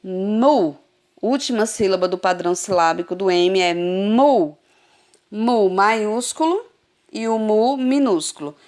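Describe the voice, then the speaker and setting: A woman teacher giving a recorded adult literacy lesson over a phone, sounding out syllables slowly and patiently. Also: mid-range voice, darkish tone. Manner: slow, patient, drawn-out syllables.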